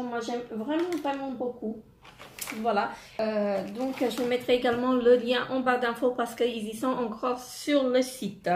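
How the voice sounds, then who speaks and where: A beauty vlogger with a fairly high yet darkish voice presents makeup palettes in a casual unboxing vlog. She sounds hesitant, full of fillers and repeated words, recorded in an echoey room with faint noise and wind in the background.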